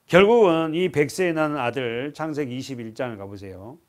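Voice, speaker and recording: A man's voice: mid-range voice, expressive, brisk. A male pastor preaching an expository sermon in a church. He keeps asking the congregation questions and answering them himself, and he calls on them to read scripture aloud.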